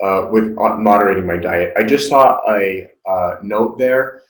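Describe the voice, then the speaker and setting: Audible room echo surrounds a man speaking fairly slowly at a fairly low pitch with ordinary pitch variation. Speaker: yoga teacher. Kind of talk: lecture. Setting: video call.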